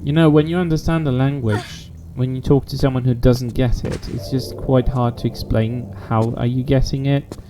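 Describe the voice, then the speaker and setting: A man's voice: mid-range voice, fairly even intonation, normal speed, few pauses, noisy background. A young man from Poland with a Polish accent, chatting casually while streaming a game, thinking aloud with frequent restarts. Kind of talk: casual gaming stream chat. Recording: game music playing behind.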